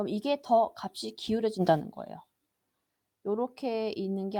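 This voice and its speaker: Recorded very cleanly against a silent background, a woman at medium pitch speaks in a dry, close sound with no echo. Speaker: high school science teacher. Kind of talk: lecture. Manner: trying to speak slowly.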